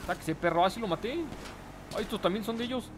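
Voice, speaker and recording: A man's voice: high voice, quick pace, noisy background. A young man with a Mexican accent commentating a live game stream, joking in slang and greeting viewers from the chat. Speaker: gaming streamer.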